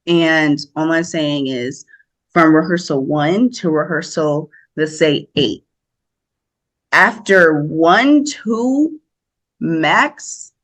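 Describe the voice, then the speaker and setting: A woman's voice: deep voice, lively intonation, extremely slow, fairly bright tone. A young woman from the United States, an actor guesting on a podcast, talking casually and animatedly with frequent laughs and fillers. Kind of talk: casual interview chat.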